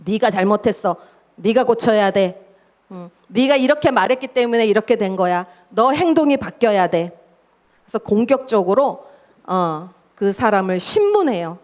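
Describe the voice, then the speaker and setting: Lively Korean woman pastor preaching. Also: medium pitch, moderate pace. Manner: lively, laughs often, acts out quoted dialogue. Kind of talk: sermon.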